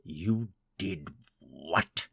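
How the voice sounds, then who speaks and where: A man playing a haughty, vengeful vampire lord in an audio drama, husky and pompous. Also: sits low, animated, a bit bright, no echo, clean studio sound, full character voice. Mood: indignant. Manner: pompous, imperious, slow and deliberate. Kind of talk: scripted audio drama acting.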